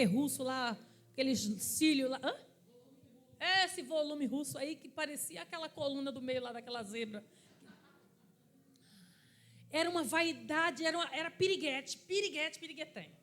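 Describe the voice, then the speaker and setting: A woman pastor with a Brazilian Portuguese accent, preaching a sermon and telling a lively testimony in church. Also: high voice. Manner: animated storytelling, acting out quoted cries. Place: church service.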